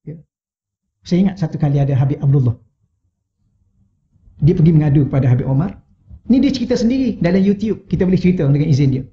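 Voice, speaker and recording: A man's voice: a little high, lively intonation, fast, long pauses, muffled recording. A man with a Malaysian Malay accent giving a religious lecture in a mosque, humorous and acting out little dialogues. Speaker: religious teacher. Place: mosque hall. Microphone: wireless lavalier.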